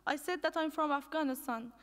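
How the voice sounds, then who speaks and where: A young woman from Iran, an English speaker, gives an earnest prepared conference speech with a few restarts. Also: sits high. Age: young adult. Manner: measured, earnest, reads from notes with restarts. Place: conference hall. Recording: long reverb of a lecture hall.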